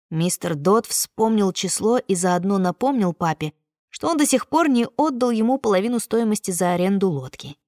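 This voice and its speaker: A woman's voice: medium pitch, no room sound. Dry-voiced woman reading a novel aloud. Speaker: audiobook narrator. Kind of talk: first-person novel narration.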